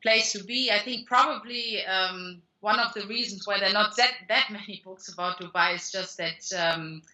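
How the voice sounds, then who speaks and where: A woman's voice: medium pitch, moderate pace, few pauses, bright, forceful tone, dull audio. A woman with a German accent, a guest author talking through her career in a rambling way, with many restarts and fillers. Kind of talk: conversational interview answers.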